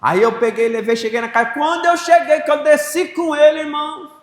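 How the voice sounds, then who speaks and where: A man with a Brazilian Portuguese accent preaching as a pastor, telling a personal story and breaking into loud shouted prayer. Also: very high-pitched, a little fast. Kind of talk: sermon. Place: church hall. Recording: echoey church hall.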